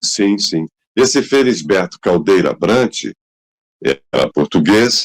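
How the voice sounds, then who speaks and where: The speech moves at a very slow pace with long, frequent pauses, in a dry, close sound with no echo. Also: man. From Rio de Janeiro. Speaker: actor. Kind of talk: interview.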